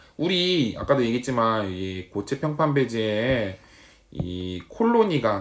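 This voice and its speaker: At a fairly slow pace, a man of medium pitch speaks with lively intonation. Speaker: vocational high school teacher. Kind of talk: lecture. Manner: halting, with self-corrections.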